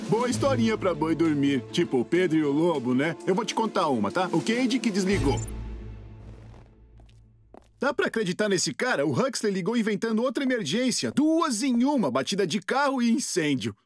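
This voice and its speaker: A man's voice: high voice, big pitch swings, normal speed. A Brazilian man playing a brash, skeptical young firefighter in a cartoon dub, with a sarcastic manner. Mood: mocking, skeptical. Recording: music behind voice.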